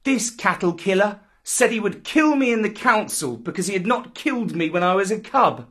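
A proud young boy of the jungle, performed by a man in a dramatic storybook reading. The voice is pushed high and swings widely as he issues commands in grand, archaic speech, defiant and sure of himself. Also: expressive, normal speed, a bit bright, husky, exaggerated voice. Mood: scornful, fierce.

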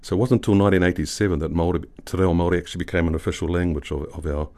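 An older man, a guest poet telling a history with wry, measured storytelling in a podcast interview. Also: sits low, fairly even intonation, warm tone. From New Zealand.

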